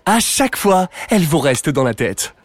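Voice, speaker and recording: A man's voice: on the high side, very animated, normal speed. A man hosting an audio tour podcast, talking playfully with jokey asides to his listeners. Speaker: podcast host and park guide. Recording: music bed behind voice.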